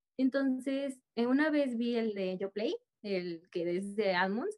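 A woman talks with a Mexican accent in a fairly high pitch. Her pitch swings very widely. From Mexico. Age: 20s. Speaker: nutrition student. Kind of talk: podcast interview testimony.

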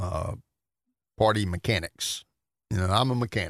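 With a Southern US accent, a man speaks at a moderate pace and fairly low pitch, the sound dry and close with no echo against a quiet background. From South Carolina, near Columbia. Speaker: state party chairman. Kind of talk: political interview.

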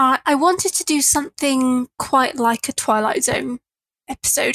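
Speaking at a moderate pace with an English accent, a woman shows ordinary pitch variation in a dry, close sound with no echo. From England. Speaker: fiction author. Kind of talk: interview.

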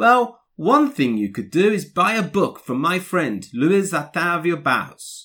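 A man's high-pitched, bright, sharp voice with a British accent, very wide pitch swings and a very slow pace, on a very clean recording with a silent background. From UK. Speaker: English teacher podcaster. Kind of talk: educational podcast monologue. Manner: clear, deliberate for learners.

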